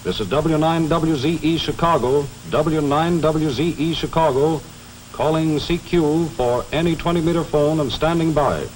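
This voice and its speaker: A man playing an amateur radio operator calling for any station, spelling out his call sign in a measured, clipped delivery. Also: fairly high pitch, slight background noise, close to an everyday voice, poor audio. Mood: formal. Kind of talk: ham radio call with call signs.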